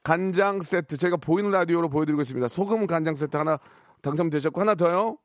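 A man hosting a live call-in radio segment, teasing callers with quick banter. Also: on the high side, no room sound, clean studio sound. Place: radio studio.

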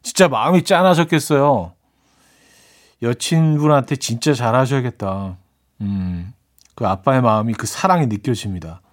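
A man's voice: mid-range voice, moderate pace. A middle-aged man hosting a radio music show in a chatty, casual way, reading listener messages and joking about them. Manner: chatty, reads listener messages and plays up reactions.

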